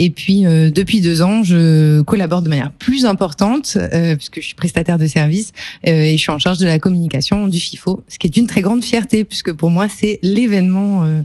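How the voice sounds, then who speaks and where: Speaking at a moderate pace, a woman has a dark, mellow tone, a fairly low pitch and ordinary pitch variation. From French Polynesia (Tahiti). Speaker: festival communications manager. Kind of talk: radio interview. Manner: hesitant, many fillers.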